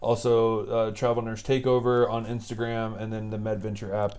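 A man's voice: lowish voice, flat delivery, normal speed, darkish tone. A man co-hosting a podcast in a candid, self-reflective, casual chat style. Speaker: podcast co-host.

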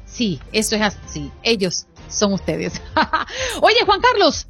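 A woman with a high voice hosts a morning show, keeping up playful banter with her co-host. Faint music plays underneath. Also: wildly swooping pitch, takes it slowly, a bit bright.

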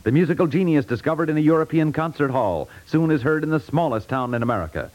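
A man's voice: fairly high pitch, expressive, fast, highs cut off. A man reading scripted narration as a 1950s radio network announcer, formal and declamatory.

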